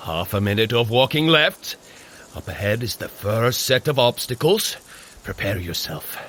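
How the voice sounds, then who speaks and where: An actor playing a boisterous, jovial Norse warrior god who coaches a mortal runner in a scripted audio drama. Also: male voice, expressive, moderate pace, fairly bright tone. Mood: encouraging, amused. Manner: jovial, theatrical, booming commands. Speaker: fitness trainer guiding a run.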